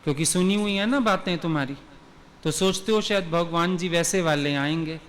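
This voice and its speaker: A man serving as spiritual teacher, giving an unhurried, conversational devotional discourse that acts out the voices he quotes. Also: a little high, fairly bright tone, a little hiss or hum.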